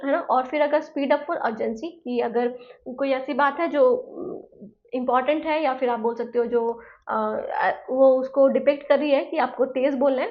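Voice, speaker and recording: Female lecturer, high voice, chatty explaining style with frequent check-ins, slightly dull recording. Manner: explains in Hindi mixed with English terms, repeats "है ना". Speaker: teacher. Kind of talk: exam-prep lecture.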